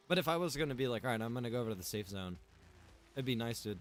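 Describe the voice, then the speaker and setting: A man's voice: medium pitch, lively intonation, quick pace. A man chatting casually and thinking aloud as he hosts a gaming livestream. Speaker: livestream host, gamer.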